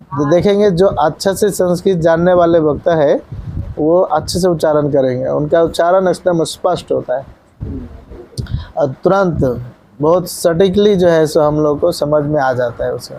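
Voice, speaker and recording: A man with a dark, gravelly voice pitched a little high teaches a scripture class. He recites verses slowly and with care, then talks his listeners through the pronunciation, often checking that they follow. His pace stays slow and deliberate throughout. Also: low-quality recording. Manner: conversational, asks "है ना?" often.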